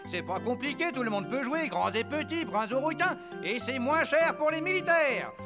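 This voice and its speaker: Very high-pitched excited fairground barker. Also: male voice, moderate pace, over music, heavily acted. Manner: sing-song huckster patter, repetitive calls.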